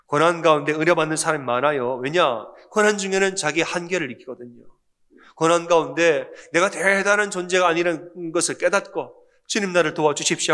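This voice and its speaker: A pastor preaches a Sunday sermon, posing questions to the congregation and answering them himself. When he acts out quoted lines, his voice turns softer and lower.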